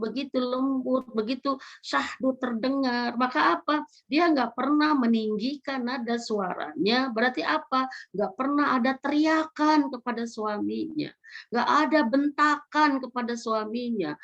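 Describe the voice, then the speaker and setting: Woman teaching a religious study group. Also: medium pitch. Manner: gently persuasive, frequent rhetorical questions to the audience. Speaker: Islamic women's study teacher. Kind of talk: religious lecture. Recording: slightly dull lo-fi recording.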